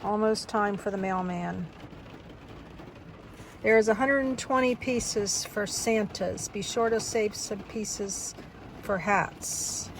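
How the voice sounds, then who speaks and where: A woman's voice: medium pitch, slow, slight background noise, poor audio. An older woman in a casual vlog, reminiscing and reading aloud in a wistful, rambling, reflective way. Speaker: vlogger. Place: inside a parked car.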